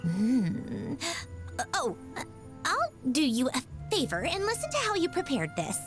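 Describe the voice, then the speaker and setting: A woman's voice: high voice, huge pitch swings, unhurried, full character voice. An actress voicing a proud, ladylike young machine doll in a video game, with a prim, precisely worded delivery. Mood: haughty. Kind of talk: scripted video game character voice lines. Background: music.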